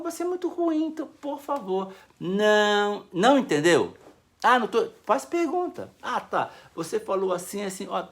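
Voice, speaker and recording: A Brazilian-accented man delivers a teaching talk on family communication. His voice rises and falls with lively, expressive intonation. He speaks casually and slips into short acted-out exchanges. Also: high voice. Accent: Brazilian Portuguese. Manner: animated, conversational, acts out little dialogues.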